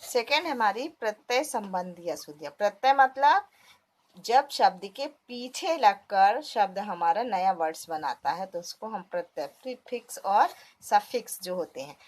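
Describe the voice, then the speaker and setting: A woman's voice: medium pitch, lively intonation, unhurried, a little mellow. A woman teacher explaining a textbook lesson patiently, often asking the listener questions as she goes.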